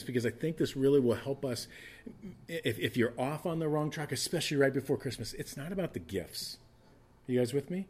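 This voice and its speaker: A man's voice: medium pitch, darkish tone, slightly rough. A man in his fifties preaching a casual, conversational sermon, often restarting and repeating words. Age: 50s. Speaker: pastor.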